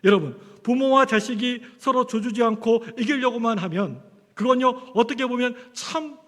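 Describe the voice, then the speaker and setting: A man's voice: extremely high pitch, normal speed, a bit bright. A man preaching a sermon as pastor, telling stories animatedly and acting out the voices of parents and children. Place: church sanctuary. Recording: long church hall reverb.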